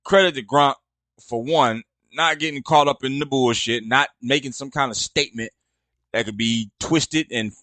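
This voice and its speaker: Guy ranting on his podcast, cussing a lot and mocking stuff, mid pitch, dry close sound. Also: a bit bright, no room sound. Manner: profane, mocking, exasperated rant. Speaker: podcast host. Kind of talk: casual ranting commentary.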